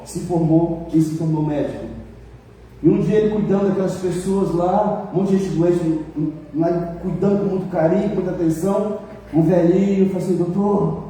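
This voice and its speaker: A man's voice: high voice, mellow, a little hiss or hum. A man with a Brazilian accent preaching a sermon, telling stories emotionally and addressing the congregation. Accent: Brazilian Portuguese. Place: church. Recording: echoey church hall, voice from far off.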